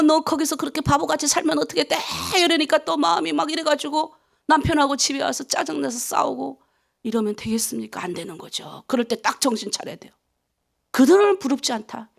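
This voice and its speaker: Woman pastor, high and gravelly, preaching with fervent exhortation. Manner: impassioned, exhorting, rhetorical questions. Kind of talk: early-morning prayer sermon.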